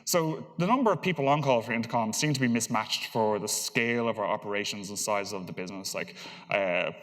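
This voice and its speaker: A man's voice: fairly low pitch, fairly bright tone. Man presenting in a reverberant hall. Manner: hesitant, halting delivery with repeated words. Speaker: conference speaker, engineer. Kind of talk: informal technical conference presentation. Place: large conference hall, on stage.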